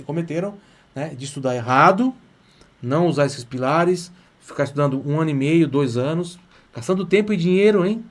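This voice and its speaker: A middle-aged Brazilian man with a Brazilian Portuguese accent runs a lively online Italian lesson. He talks in a chatty, encouraging way and slows right down to model phrases for his students to repeat. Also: on the high side. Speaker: Italian teacher. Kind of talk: live online language lesson.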